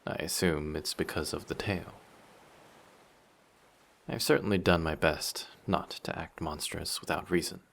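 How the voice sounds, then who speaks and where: A man playing a dangerous, flirty sea monster in an intimate audio drama, speaking in a measured, quietly menacing way with formal wording. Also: rumbling low, steady tone, vocal fry, a little hiss or hum, exaggerated voice. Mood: wry, resigned. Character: dangerous, possessive, flirty male sea monster with fish tail.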